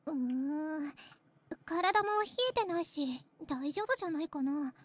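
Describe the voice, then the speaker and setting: A woman's voice: high voice, animated, a little fast. A woman playing a caring, easygoing teenage girl in an anime visual novel game. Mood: calm. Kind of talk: Japanese visual novel voice acting. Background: game music.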